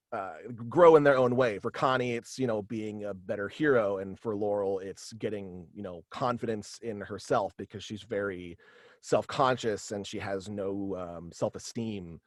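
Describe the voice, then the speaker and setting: Dry-sounding man, halting chat. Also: lowish voice, dry recording. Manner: halting and animated, slipping into quoted dialogue. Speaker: guest, voice actor and author. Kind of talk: casual interview chat about own radio play. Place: indoors at home, on a video call. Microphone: video call.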